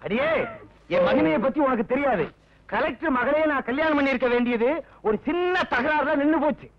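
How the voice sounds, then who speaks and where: An actor playing a sarcastic policeman husband who trades deadpan retorts with his wife in a dull, lo-fi old film soundtrack. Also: very high-pitched, fairly quick. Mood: bickering. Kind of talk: 1980s Tamil film comedy acting.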